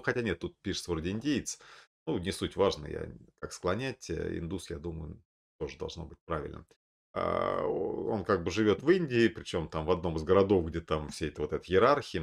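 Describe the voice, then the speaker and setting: A man's voice: low voice, creaky. A man in his thirties recommending films to camera in a casual, rambling way, with lots of fillers and restarts, seated indoors and filmed on a webcam. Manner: rambling, with many fillers and self-corrections. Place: indoor room, seated at a desk.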